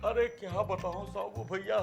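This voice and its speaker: A man's voice: sits high, steady tone, normal speed, vocal fry, soft background music. An actor playing a frightened male priest and father, anxiously pleading for help. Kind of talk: TV drama acting.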